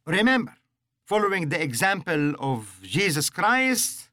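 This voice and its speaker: A middle-aged man speaks on a religious teaching broadcast, earnest and emphatic like a preacher. His voice sits a little high for a man. The sound is close and dry, with no room around it. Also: big pitch swings, unhurried, pushed and bright, no room sound. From Egypt. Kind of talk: religious radio teaching program.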